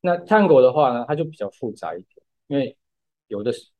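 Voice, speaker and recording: A man's voice: mid-range voice, expressive, fairly quick, warm tone. Patient man explaining music. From Taiwan. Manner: explains patiently with many "对" fillers. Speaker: podcast co-host. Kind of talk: casual explanatory chat.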